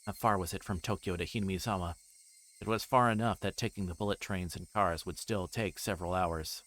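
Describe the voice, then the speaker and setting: A man's voice: deep voice, steady tone, brisk, a bit bright. A man reading visual novel narration aloud on a livestream, sometimes stumbling and rereading words. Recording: clearly noisy background.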